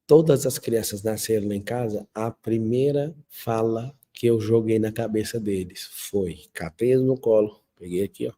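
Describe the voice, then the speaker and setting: A man from Brazil giving an emphatic, faith-tinged motivational talk, acting out quotes and moving between loud and soft passages. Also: fairly low pitch, moderate pace, few pauses. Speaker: speaker of a motivational talk show. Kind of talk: motivational talk with faith themes and family stories.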